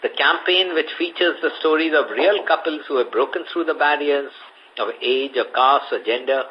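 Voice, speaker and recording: A man with an Indian accent, reading a prepared earnings presentation as a company executive on a conference call. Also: mid-range voice. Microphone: conference call line. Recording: muffled conference call audio.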